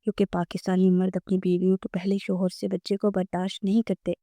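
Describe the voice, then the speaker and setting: A woman's voice: medium pitch, level tone, mellow, dry recording, natural voice. A woman reading the part of an anxious fiancée who talks earnestly. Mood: probing.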